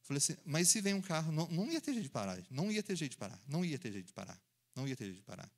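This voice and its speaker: A preacher tells his story animatedly, acting out the voices and sound effects himself. His voice sits fairly high for a man. He often laughs along as he talks. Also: very animated, very fast. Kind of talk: storytelling sermon.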